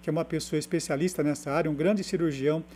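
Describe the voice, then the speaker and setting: A man's voice: fairly high pitch, fairly even intonation, fast talker, mellow, slight background noise. A man co-hosting a radio interview, thanking the guest.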